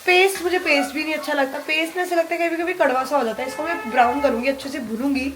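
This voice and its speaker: High-voiced chatty woman vlogger. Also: steady tone, fast talker, noisy background. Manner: chatty, addresses viewers as guys. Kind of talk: casual vlog chat to camera.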